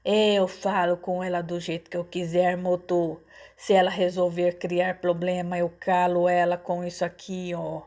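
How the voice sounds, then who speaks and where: A woman voicing a hot-headed young male gangster with a hoarse, threatening delivery in an audiobook story. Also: on the low side, level tone, a little slow, darkish tone. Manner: aggressive, threatening.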